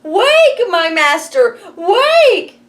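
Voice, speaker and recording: A woman's voice: sing-song, very slow, fairly bright tone, exaggerated voice. A woman voicing an enchanted harp from a fairy tale, calling out to its master. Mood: alarmed. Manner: shrill calling out.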